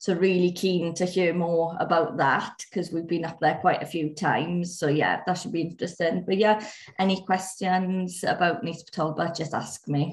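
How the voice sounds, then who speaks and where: A woman talks at a moderate pace, her somewhat breathy, fairly low voice keeping fairly even intonation. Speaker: tourism officer. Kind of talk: video call introduction.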